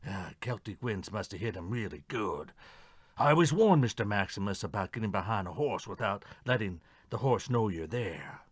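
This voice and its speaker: A man's voice: lowish voice, animated, moderate pace, breathy edge, no echo. A man acting a stubborn, defensive horse trainer in an audio mystery play, respectful but defiant. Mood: nervous, evasive. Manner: defensive, addresses superiors respectfully.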